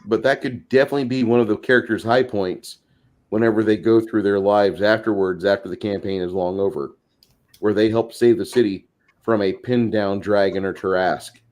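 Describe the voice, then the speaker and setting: Low-pitched man talking tabletop games. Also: fairly even intonation, normal speed, darkish tone. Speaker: tabletop gaming show host. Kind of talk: casual discussion, explaining game ideas.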